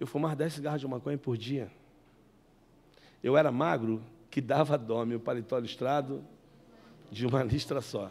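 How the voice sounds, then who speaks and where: Heard in a very clean recording with a silent background, a man speaks in a dark, mellow tone. His pitch is medium, with ordinary variation, and his pace is moderate. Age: 40s. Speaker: missionary preacher. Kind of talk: sermon. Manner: animated.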